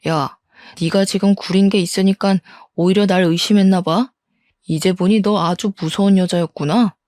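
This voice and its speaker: A woman's voice: mid-range voice, steady tone, normal speed, darkish tone, no echo, studio quality, natural voice. A woman voicing a defiant, scornful middle-aged husband caught cheating, reading a story aloud. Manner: blustering, scornful, defensive.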